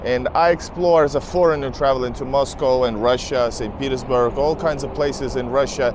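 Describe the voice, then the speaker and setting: A man hosting a casual travel vlog interview outdoors in a city park, chatty and upbeat with filler pauses. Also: mid-range voice, fairly even intonation, background noise. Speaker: host, travel vlogger.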